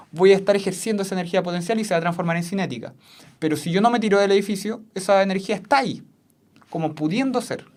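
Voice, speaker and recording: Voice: medium pitch, a little mellow. A substitute physics teacher, teaching a class in a classroom. The teacher repeats key points and keeps checking in with the students. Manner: repeats key points, checks in with frequent questions, laughs easily. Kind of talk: classroom lesson. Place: classroom with a whiteboard.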